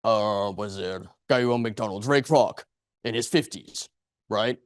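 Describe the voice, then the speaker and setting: A man's voice: on the low side, unhurried, smooth, no echo, clean studio sound. A man in his late twenties giving a motivational speech to a live audience, earnest and rambling, leaning on repetition and rhetorical questions. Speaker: public speaker at a speakers club. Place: meeting room before an audience.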